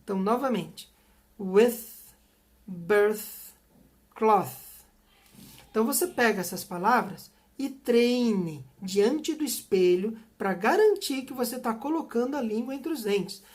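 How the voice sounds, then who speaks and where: A woman's voice: a little high, animated, moderate pace, few pauses, a little mellow. Middle-aged Brazilian woman, pronunciation teacher, speaks to camera, firm and emphatic with tag questions. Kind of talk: teaching, direct address to viewers.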